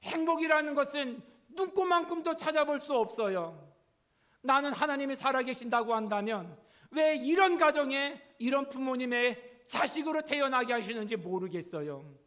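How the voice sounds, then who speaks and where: A man's voice: very high-pitched, expressive, moderate pace, fairly bright tone, voice pushed up. A man voicing a middle-school boy who pleads unhappily through tears in a raised, strained voice. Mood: tearful pleading.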